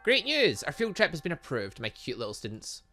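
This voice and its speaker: A man's voice: a little high, huge pitch swings, fairly quick, pushed and bright, faint music behind, exaggerated voice. A man voicing a playful, evasive teacher from a visual novel game, teasing and theatrical as he reads the dialogue. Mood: cheerfully proud. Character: playful, evasive teacher fond of their students.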